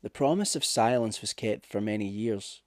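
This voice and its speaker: A man's voice: on the low side, animated, normal speed, dry recording. Man narrating a ghost story, dry sound. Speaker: audiobook narrator.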